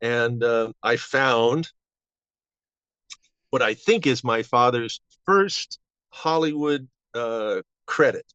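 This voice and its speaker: A man in his seventies reminiscing casually as an interview guest, halting and rambling with false starts. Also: mid-range voice, fairly bright tone, clean tone, dry recording. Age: 70s. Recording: dull, band-limited audio.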